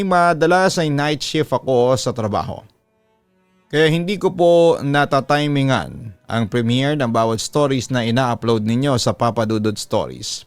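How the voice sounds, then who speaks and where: Background music accompanies a storytelling host with a Filipino accent as he reads a letter for a first-person horror story from a script. His pitch is medium, and the sound has no echo.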